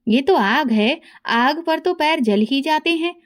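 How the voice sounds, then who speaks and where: A woman's voice: high voice, expressive, slow pace. A woman voicing a frightened young sister-in-law in a story, pleading and insistent.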